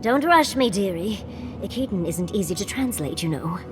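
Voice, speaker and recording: Game companion, female actor: older woman scholar, wry and knowing, animated delivery over a score. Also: mid-range voice, normal speed, music in the background, close to an everyday voice. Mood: wry, teasing. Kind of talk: video game voice acting.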